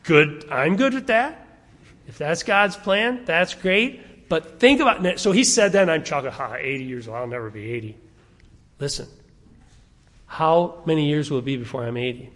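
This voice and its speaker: A man's voice: on the high side, lively intonation, moderate pace, a bit bright, big-room sound. A man in his sixties preaching a conversational sermon to his congregation, often putting questions to them. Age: 60s. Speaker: pastor. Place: church sanctuary.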